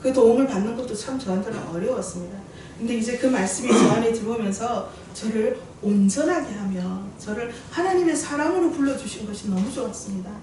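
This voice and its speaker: A middle-aged woman, preaching a sermon as a missionary in lively storytelling with jokes for the congregation. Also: a little high, brisk, slight background noise. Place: church sanctuary. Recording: very echoey church hall, distant mic.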